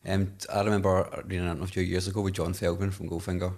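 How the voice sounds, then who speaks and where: Husky, fast-talking male podcast host. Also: low voice, level tone, darkish tone. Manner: asks with hesitant "um" and "uh" starts. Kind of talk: interview questions.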